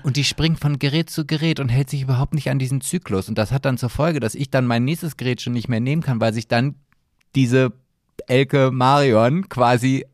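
A man's voice: medium pitch, fairly even intonation, moderate pace, no room sound, studio quality. A man with a German accent co-hosting a podcast in casual, playful, rambling chat. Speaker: podcast co-host.

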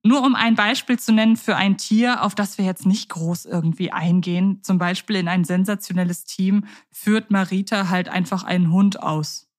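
Woman, podcast co-host, casual chat, thinks aloud, mid pitch. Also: steady tone, moderate pace, few pauses. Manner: chatty, thinking aloud with fillers.

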